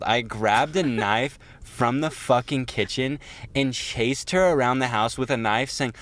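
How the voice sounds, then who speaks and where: A young man co-hosting a podcast, telling stories casually in a self-mocking, digressive way with some swearing. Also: mid-range voice. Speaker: podcast co-host. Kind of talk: casual chat, rambling storytelling.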